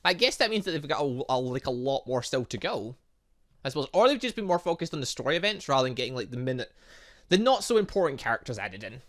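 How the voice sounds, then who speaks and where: This is a gaming host doing let's play commentary with very animated pitch. The delivery is rambling and excitable, moving between reading game text and exclaiming in loose asides. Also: fast talker.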